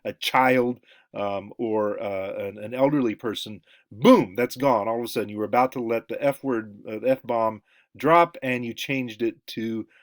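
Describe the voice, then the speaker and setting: A man giving a lecture, halting with many fillers and restarts. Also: on the low side, steady tone. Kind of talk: recorded lecture.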